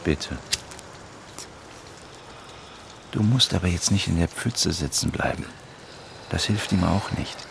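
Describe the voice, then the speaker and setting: Radio drama male stranger: deep, gravelly, deadpan, unsentimental realist, rain behind him. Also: background noise. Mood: dry, blunt. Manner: deadpan, blunt, unhurried. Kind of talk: naturalistic German radio drama acting.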